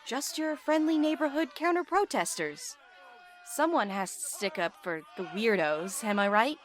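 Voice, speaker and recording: A woman's voice: a little high, lively intonation, moderate pace, soft background music, lightly acted. A woman playing a feisty, cheeky counter-protester in an audio drama, with a breezy informal manner. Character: perky, feisty young female counter-protester.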